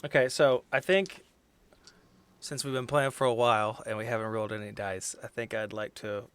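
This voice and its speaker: A man's voice: fairly low pitch, steady tone, moderate pace, a bit bright, smooth. A man chatting casually as a player in a tabletop role-playing game podcast.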